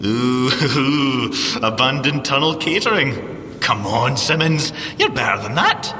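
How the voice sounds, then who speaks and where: An actor with a Scottish accent playing an excitable, jokey young secret agent and tech geek in an audio drama. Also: male voice, mid-range voice, slow, in a large hall. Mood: teasing. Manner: playful, jokey, enthusiastic. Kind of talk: audio drama field banter.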